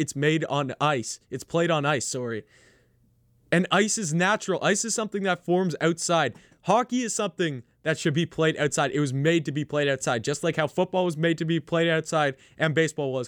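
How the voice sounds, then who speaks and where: A man with an unremarkable speaking voice talks at a fairly quick pace with a Canadian accent, his pitch fairly high with ordinary variation. The recording is very clean with a silent background, and the sound is dry and close with no echo. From Toronto, Canada. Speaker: sports podcaster. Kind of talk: solo sports commentary podcast. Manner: casual, repetitive.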